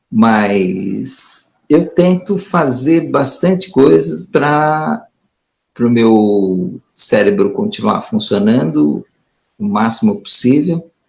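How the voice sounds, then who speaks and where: A man at a medium pitch, with very wide pitch swings and a very slow pace. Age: 60s. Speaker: spiritist lecturer. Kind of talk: interview in online talk. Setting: online video call. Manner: halting, many fillers.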